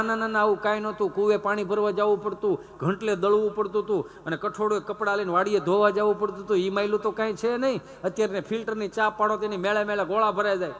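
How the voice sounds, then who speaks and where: High bright-voiced Gujarati comedian. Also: male voice. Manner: animated, acts out village characters in raised voices. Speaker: stage comedian. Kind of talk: folk stand-up storytelling.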